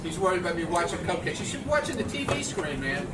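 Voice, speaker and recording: A man's voice: high voice, sing-song, fast, over a noisy crowd. A man being interviewed casually, talking in a blunt, irritable and repetitive way with some swearing. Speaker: radio show staff member being interviewed. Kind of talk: casual, profane interview talk. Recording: noisy on-location interview sound.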